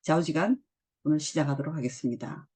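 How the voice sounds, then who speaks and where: A middle-aged woman teaching English from drama scenes, reading lines slowly and then explaining them. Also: low voice, dark tone, husky. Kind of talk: explaining drama dialogue in a lesson.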